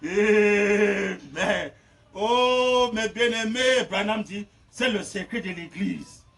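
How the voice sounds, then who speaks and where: A man preaching a fiery sermon, shouting and laughing between phrases. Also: extremely high pitch, vocal fry. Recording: distant mic with faint noise.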